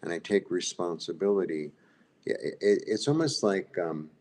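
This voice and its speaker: Speaking directly to his viewers during a live tarot reading, a man with a Brooklyn Jewish accent wanders off topic, repeats himself and asks "right?" His low, darkish voice has lively intonation at a normal pace. A little hiss or hum can be heard.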